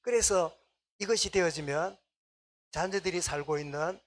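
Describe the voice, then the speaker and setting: Casting: middle-aged male pastor, husky voice, easy conversational sermon. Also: sits high, moderate pace.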